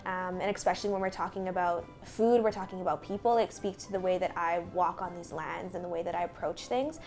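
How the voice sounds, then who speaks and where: A woman's voice: on the low side, brisk, a little mellow, faint music behind. A woman from the Bahamas with a Bahamian accent, speaking openly and reflectively in a documentary interview.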